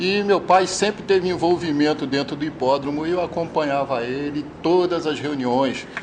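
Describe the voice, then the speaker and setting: The speech runs on with hardly any pauses. Background noise is noticeable. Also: man, fairly high pitch for a man, ordinary pitch variation, moderate pace. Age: 60s. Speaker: horse racing commentator, retired civil servant. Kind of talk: TV talk show, interview.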